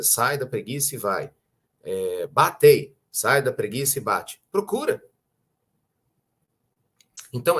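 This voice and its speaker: A man with a Brazilian accent giving a conversational spiritual talk, often asking rhetorical questions and clearing his throat. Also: mid-range voice, fairly bright tone. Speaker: spiritual teacher.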